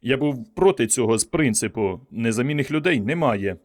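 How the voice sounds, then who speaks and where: A man voicing an elderly genius professor whose mind now lives in a dog's body, speaking hoarsely and carefully. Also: medium pitch, animated, moderate pace, natural voice. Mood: cautious.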